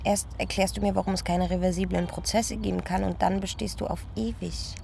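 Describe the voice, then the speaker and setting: An observant, teasing young woman in a radio play. Her voice is medium in pitch with a gravelly creak. There is faint noise behind her. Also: fairly even intonation, fairly quick, warm tone. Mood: challenging. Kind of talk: radio drama dialogue.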